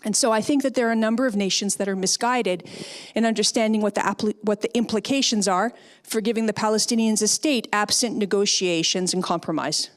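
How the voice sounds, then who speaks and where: Canadian woman giving a fired-up persuasive talk, mid pitch, asks rhetorical questions. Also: a little fast. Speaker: guest speaker, former speechwriter. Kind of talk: public talk and audience Q&A.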